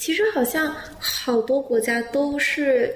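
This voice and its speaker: Background noise is clearly noticeable here. Through it, a woman's voice comes across. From Malaysia. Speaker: international university student. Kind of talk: casual interview chat.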